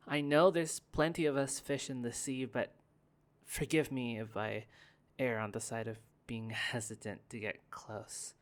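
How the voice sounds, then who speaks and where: A man playing a soft, hesitant young heir. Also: mid-range voice, lightly acted. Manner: soft-spoken, hesitant, stammering restarts. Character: young corporate heir, gentle, guarded, lonely lover. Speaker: roleplay performer. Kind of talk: ASMR roleplay.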